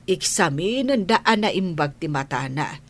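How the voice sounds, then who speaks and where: A woman voicing a gentle older mother who speaks slowly and softly in an audio drama. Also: fairly low pitch, lively intonation. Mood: calm.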